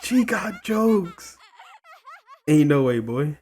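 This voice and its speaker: A man's voice: fairly high pitch, sing-song, drawn-out words, a little mellow. Slangy man commentating over game music. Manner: slangy, informal, repeats himself. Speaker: gaming video host. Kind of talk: casual playthrough commentary.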